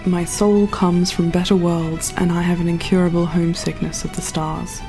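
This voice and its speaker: A woman's voice: fairly low pitch, little pitch movement, normal speed, dark tone, natural voice. Lofty, poetic woman artist over music acted. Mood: wistful, yearning. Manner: lofty, poetic, self-assured. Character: proud, dreamy, perfectionist artist designing a spaceship. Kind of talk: sci-fi audio drama monologue.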